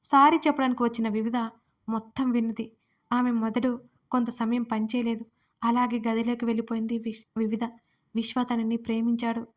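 A woman reads a romantic audio story aloud, steady and measured. Her voice sits fairly high and barely moves in pitch, giving a flat, even delivery. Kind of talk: scripted story narration.

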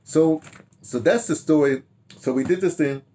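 An American man in his sixties reminisces casually in a rambling, halting way, repeating words and throwing in animated asides, recorded in a home study. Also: fairly high pitch. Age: 60s. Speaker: radio drama director telling his history. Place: small home study, indoors.

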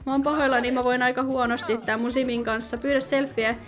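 A young woman commenting casually on her gameplay, chatty and excitable, often pleading and reading out game options. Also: sits high. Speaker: gaming video host.

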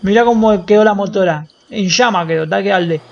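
A man's voice: high voice, a little fast, vocal fry, lo-fi sound, a little hiss or hum. An Argentine man streaming a roleplay game, improvising joking, cocky banter full of street slang. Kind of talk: improvised in-character banter, casual slangy chat.

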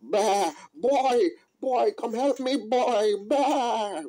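A puppeteer voicing a cautious old lamb with bleats and drawn-out, scolding words in an amateur puppet show. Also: medium pitch, mellow. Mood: frightened. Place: small indoor room, behind puppet curtain.

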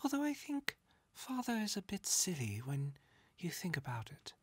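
A narrator voicing a frail ten-year-old girl in a storybook, breathy and sweet, with prim, adoring manners. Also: lowish voice, very animated, moderate pace, no echo, pitched above the performer's own voice. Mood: innocent, adoring. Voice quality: breathy, whispery. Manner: sweet, formal, childlike.

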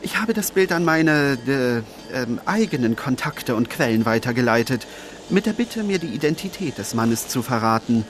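A man's voice: mid-range voice, expressive, moderate pace, slight background noise, natural voice. A man playing a cagey, prickly newspaper reporter in a crime audio drama, defensive and smug. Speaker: voice actor.

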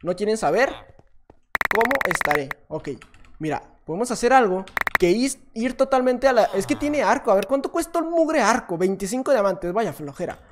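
A man with a Mexican Spanish accent giving chatty, self-mocking gameplay commentary, with sudden excited shouts. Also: sits high, normal speed, background noise. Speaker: gaming YouTuber.

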